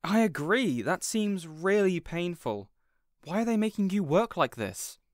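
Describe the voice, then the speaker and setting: A man's voice: high-pitched, very animated, measured pace, no echo, clean studio sound. A man playing a considerate, awkward supervillain boss in an audio roleplay, conversational and a bit hesitant. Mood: concerned. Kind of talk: audio roleplay drama acting.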